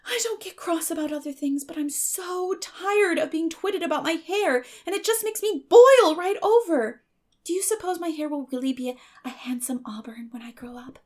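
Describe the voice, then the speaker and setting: A woman's voice: very high voice, lively intonation, moderate pace, darkish tone, pitched above the performer's own voice. A woman voicing a dreamy, earnest, talkative young orphan girl in a gushing, dramatic audiobook reading. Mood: aggrieved.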